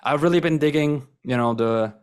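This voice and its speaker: A man's voice: a little high, normal speed, smooth. A young man whose first language is Turkish, a guest chatting casually in an interview, enthusiastic and rambling with lots of fillers. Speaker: guest, wrestling content creator.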